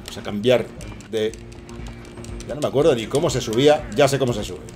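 A man with a Spanish accent giving excitable, swearing live commentary while playing and chatting to viewers. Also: mid-range voice, a little fast, soft background music. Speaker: gaming streamer. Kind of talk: casual live gameplay commentary.

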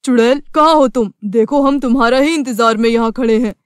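Cartoon villager, played by a man: excitable, bickering, emphatic, dry sound. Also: very high voice, fairly quick, clear, resonant tone, dry recording. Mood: challenging.

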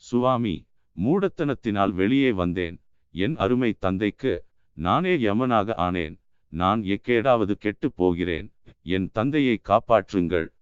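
A man's voice: lowish voice, lively intonation, measured pace, clear, resonant tone, dry recording. A man voicing a desperate young woman who pleads anxiously for rescue, in a dry, dull-sounding audiobook recording. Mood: desperate pleading. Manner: pleading, anguished.

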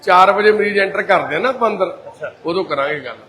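Man, shelter head, calm and soothing, fairly high voice, easygoing chat with families. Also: fast talker, crowd noise. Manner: calm, gently reassuring, soft-spoken. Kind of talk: casual talk with residents and families.

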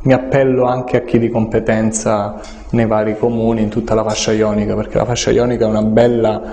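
A man taking part in an unscripted radio discussion, speaking in a halting, measured way and repeating himself. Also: on the low side, flat delivery, warm tone. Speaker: studio discussion participant. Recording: echoey room with long reverb.

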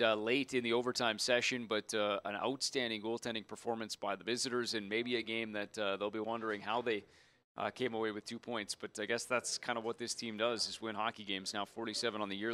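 Bright-voiced man hosting a hockey show. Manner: fluent, many "uh" fillers, walks through highlights. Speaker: post-game show host. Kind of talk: sports post-game analysis. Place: TV studio desk. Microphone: handheld mic.

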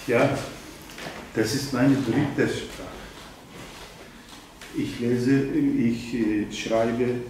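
Slow, halting older man from afar. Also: mid-range voice, fairly even intonation, darkish tone, slight background noise. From Eastern Anatolia. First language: Zazaki. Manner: halting, with frequent ums and self-corrections. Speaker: poet reading at a literary evening. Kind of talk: slow introduction and prepared reading. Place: wine bar event room. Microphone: far camera. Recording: echoey room from far off.

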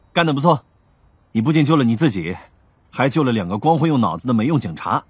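Cool, cocky male police captain, husky, very dry close sound, audio drama. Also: mid-range voice, big pitch swings, fairly quick, a little mellow, no room sound. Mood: amused. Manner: leisurely, teasing, firm.

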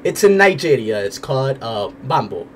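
A man's voice: medium pitch, sing-song, moderate pace, a little hiss or hum. A young man livestreaming on a headset mic in an indoor room, talking casually and hesitantly, often repeating the same word. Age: young adult. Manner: hesitant, repeats words over and over.

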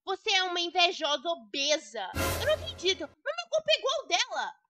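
A woman's voice: extremely high pitch, big pitch swings, fairly quick, over music. A young woman with a Brazilian Portuguese accent giving gossipy, indignant role-play commentary on a game to her viewers. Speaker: Roblox gamer.

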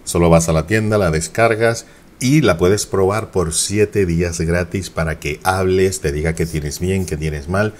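A man hosting a video, chatting casually and quickly while demoing an app, laughing now and then. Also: low-pitched, fairly even intonation. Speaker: tech YouTuber. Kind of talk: casual sponsored app demo.

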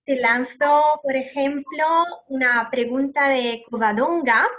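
A woman moderating a webinar, thanking the speaker and reading out questions from the audience in a measured way. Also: high-pitched, a bit bright. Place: indoor room. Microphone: video call webcam. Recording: dull lo-fi video call audio.

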